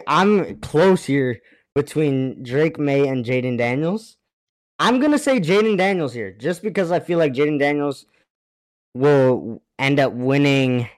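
A man with a smooth, clean voice of average pitch talks sports casually. He co-hosts over a remote connection, giving his analysis. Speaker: podcast co-host.

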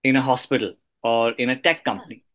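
A man's voice: mid-range voice, fairly even intonation, brisk, fairly bright tone. A man hosting a podcast interview, speaking in an articulate, polite way. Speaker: podcast host. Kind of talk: podcast interview, scripted introduction.

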